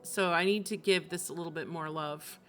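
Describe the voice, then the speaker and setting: A woman's voice: on the low side, steady tone, fairly quick, a bit bright, soft background music. A woman game streamer chatting casually and expressively on a livestream, in an informal way. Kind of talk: casual livestream chat about games.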